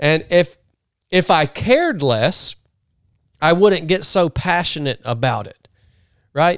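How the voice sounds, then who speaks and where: In a very clean recording with a silent background, a man talks very slowly at a high pitch, with long, frequent pauses. His intonation is lively and his loudness swings widely. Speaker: podcast host and fitness trainer. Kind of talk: casual chat. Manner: loud, yells often when passionate.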